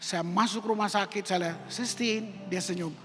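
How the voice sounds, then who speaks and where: A man's voice: high-pitched, steady tone, moderate pace, pushed and bright. A male pastor preaching a sermon, telling personal stories with acted-out quotes in casual slang. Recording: echoey hall with music behind.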